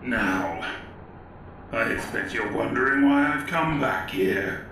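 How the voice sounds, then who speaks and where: A man's voice: medium pitch, animated, slow, gravelly, bright, forceful tone, exaggerated voice. An actor playing a grumpy, dying elderly writer turned overlord in a comedy audio drama, impatient and sardonic as he tells his story. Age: older. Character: grumpy dying elderly George Orwell, future Big Brother overlord. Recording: very echoey, distant, faint noise.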